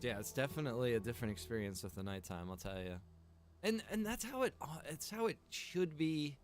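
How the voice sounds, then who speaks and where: A man with a lively, swinging pitch talks casually on a game stream. He is chatty and informal, thinking out loud for his viewers, with music playing behind him. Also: a little fast. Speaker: live streamer.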